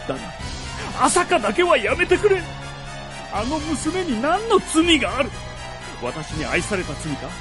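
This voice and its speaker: A man playing a guilt-ridden widowed nobleman and father in a radio drama, theatrical, pleading and impassioned. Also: sits high. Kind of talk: Japanese radio drama acting.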